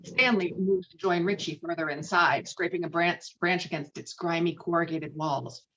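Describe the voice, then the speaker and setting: A woman's voice: lowish voice, steady tone, moderate pace, a bit bright. A woman reading stage directions as the narrator of a dramatic script table read. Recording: dull, lo-fi call audio.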